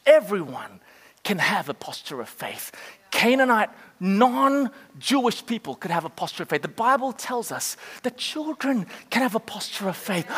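A man preaching a sermon as pastor, impassioned, with shouted peaks and calls to the congregation. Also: very high-pitched. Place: church auditorium. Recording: reverberant church hall.

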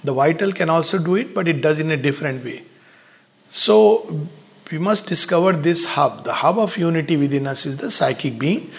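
Man, gravelly and a touch high-pitched, steady reflective spiritual speaker, measured pauses. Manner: unhurried, pausing often in short phrases.

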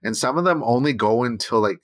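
A Canadian man in his thirties co-hosts a casual chat in a medium-pitched, lively, brisk voice. He rambles, keeps restarting his sentences, and tacks "right?" onto many of them.

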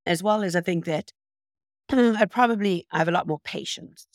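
A woman's voice: on the low side, normal speed, no room sound, clean studio sound. A middle-aged woman with a South African accent, a native Afrikaans speaker, chatting reflectively as an interview guest. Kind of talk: casual interview conversation.

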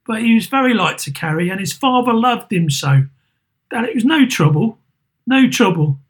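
A man voicing a gentle, anxious working-class mother, soft and raised in pitch. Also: expressive, normal speed. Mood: tender sad.

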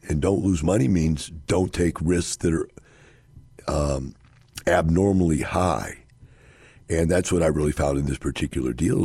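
A hoarse, middle-aged man hosts a radio show, his voice extremely low and husky from overuse. He talks casually and rambles, leaning on fillers and restarts. The studio sound is dry and close. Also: mellow, no echo. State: hoarse, scratchy voice. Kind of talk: casual radio talk on investing.

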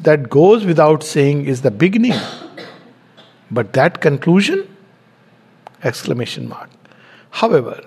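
A middle-aged man giving a reflective spiritual lecture, reading quotes slowly and explaining them in a measured way. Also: fairly high pitch. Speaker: spiritual teacher giving a talk.

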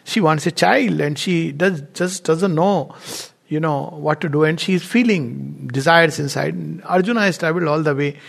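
Indian guy doing a spiritual talk, kinda high voice w lots of gravel, rambly but emphatic. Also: normal speed. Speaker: spiritual teacher giving a talk. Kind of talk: informal discourse with read-out quotations and commentary.

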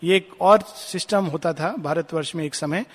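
A man, giving a reflective spiritual discourse and slowly reading English verse aloud. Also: on the high side, slightly rough. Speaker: spiritual speaker. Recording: long hall reverb.

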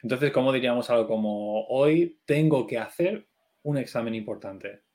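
With a warm, medium-pitched voice at a moderate pace, this co-host of a Chinese learning podcast keeps the lesson conversational. He poses questions and confirms what he has grasped along the way.

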